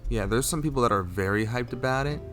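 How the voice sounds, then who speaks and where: A man co-hosting a casual chat, going through a list of games in a relaxed, offhand way with filler words. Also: mid-range voice, quick pace, faint music behind. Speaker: co-host. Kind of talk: casual chat, game news rundown.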